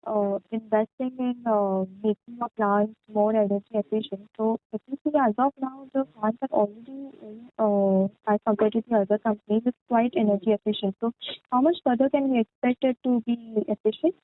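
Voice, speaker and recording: A woman's voice: fairly high pitch, fairly even intonation, dry recording. Woman asking stuff over the phone, faint n feeble, lotsa uhs, tinny line. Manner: hesitant, many filler pauses. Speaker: caller asking questions on an earnings call. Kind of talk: formal question on a conference call.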